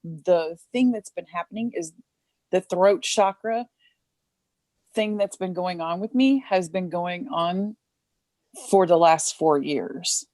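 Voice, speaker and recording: A woman's voice: lowish voice, slow pace, long pauses, darkish tone, no echo. A woman guest on a spiritual interview, answering hesitantly and searching for her words. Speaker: guest medium.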